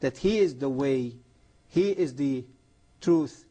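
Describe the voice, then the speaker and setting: A middle-aged man, a guest on a TV program, giving a fervent testimony in halting non-native English with frequent restarts. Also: medium pitch, expressive, mellow, slightly rough. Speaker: guest, former imam.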